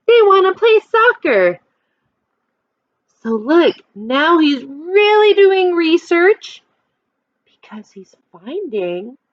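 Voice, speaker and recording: A woman's voice: high-pitched, dry recording, lo-fi sound. A woman teacher reading a children's picture book aloud expressively, stopping to explain and put questions to young listeners.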